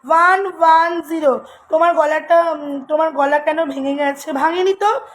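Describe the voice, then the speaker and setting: A woman selling jewelry on a live stream, in a flat, husky voice, chatting with viewers and repeating prices over and over. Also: high voice, moderate pace, slight background noise. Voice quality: flat, husky voice, always so since childhood. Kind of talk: casual live-sale patter.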